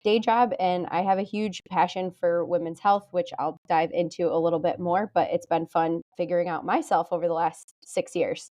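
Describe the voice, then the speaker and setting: A woman in her thirties, a chiropractor guest on a podcast, telling her story in a relaxed, candid, self-deprecating way. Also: lowish voice, moderate pace, hardly any pauses.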